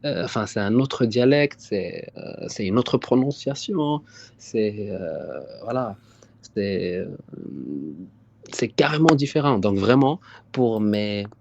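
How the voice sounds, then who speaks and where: A man's voice: lowish voice, expressive, slow pace, darkish tone, muffled recording, a little hiss or hum. A young man from Morocco, a guest in a casual live-stream interview, who hesitates and repeats his words as he answers. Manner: hesitant, repeats words, often says "sincèrement".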